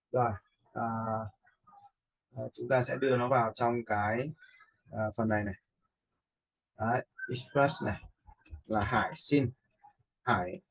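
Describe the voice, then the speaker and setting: A man giving a casual screen-share software lesson, often checking in with his learners through short questions. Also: mid-range voice, low-quality recording. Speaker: instructor in animation software tutorial.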